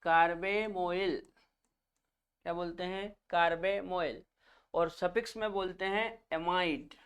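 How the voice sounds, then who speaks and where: A man's voice: high-pitched, fairly even intonation, slow, fairly bright tone, clear, resonant tone. Man drilling students with call-and-response. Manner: repeats each term and quizzes students back; addresses students as children. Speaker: chemistry teacher. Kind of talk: classroom lecture.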